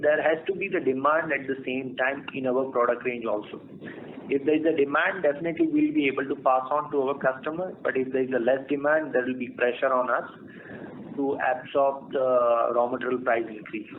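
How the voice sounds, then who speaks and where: A man with an Indian accent speaking as a company executive on an earnings conference call, explaining in a halting way. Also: medium pitch, fairly even intonation. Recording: tinny phone line with clear noise.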